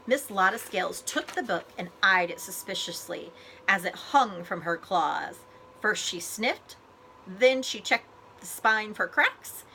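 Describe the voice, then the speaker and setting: A woman librarian reading a children's storybook aloud, with expressive, deliberate phrasing for young listeners. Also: medium pitch, a little hiss or hum, low-quality recording.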